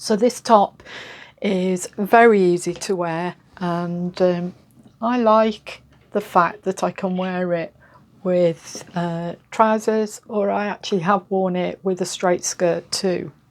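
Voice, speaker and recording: A woman talks at a very slow pace. Her pitch is medium and her intonation fairly even. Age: 60s. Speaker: sewing vlogger. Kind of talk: tutorial. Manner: hesitant with fillers.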